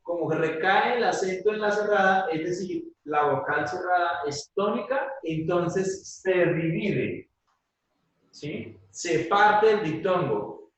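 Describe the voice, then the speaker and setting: Male teacher explaining grammar, higher voice, super echoey room, sounds far from the mic, keeps checking students follow. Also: slow pace. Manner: patient, checks in often with questions to students. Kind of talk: classroom grammar lesson.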